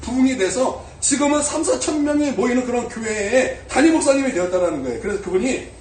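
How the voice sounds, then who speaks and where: A man's voice: very high-pitched, lively intonation, fast talker, a little mellow, a little hiss or hum. A male pastor preaching a sermon, telling a story and acting out the voices of the people in it, sometimes asking the congregation questions. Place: church sanctuary. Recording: echoey church hall, mic at a distance.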